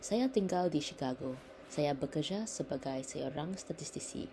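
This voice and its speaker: Low, soft-toned woman, 29, careful delivery of a self-introduction, faint background noise. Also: animated, normal speed. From Singapore. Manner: non-native speaker's careful Indonesian. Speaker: language student.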